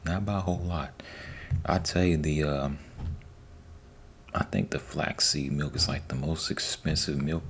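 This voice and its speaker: Very deep, soft-spoken ASMR man. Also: creaky, slight background noise. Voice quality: soft, partly whispered delivery. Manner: unhurried, rambling, repeats himself. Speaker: ASMR host.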